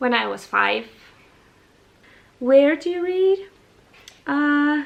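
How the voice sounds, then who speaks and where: A woman with a high pitch speaks in an Icelandic accent, using ordinary pitch variation. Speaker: book vlogger. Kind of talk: casual vlog monologue. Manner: hesitant, with fillers.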